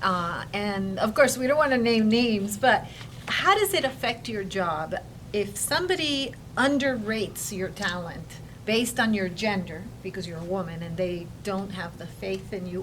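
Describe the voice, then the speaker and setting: A woman's voice: mid-range voice, a bit bright, a little hiss or hum, low-quality recording. A woman hosting an interview segment, upbeat, posing long framing questions to her guest. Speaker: interview host. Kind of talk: talk show hosting. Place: studio.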